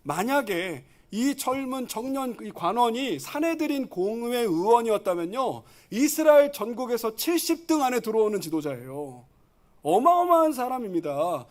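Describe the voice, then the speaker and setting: A male pastor preaching a sermon, animated and full of rhetorical questions to the congregation. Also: extremely high pitch, normal speed.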